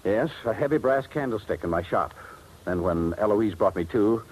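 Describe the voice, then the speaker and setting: A man's voice: fairly low pitch, expressive, moderate pace, darkish tone, slightly rough. A man playing an anxious, aggrieved jeweler in 1950s radio drama, explaining himself earnestly. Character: anxious, aggrieved male jeweler, robbed and nearly ruined. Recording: noisy vintage 1950s radio recording.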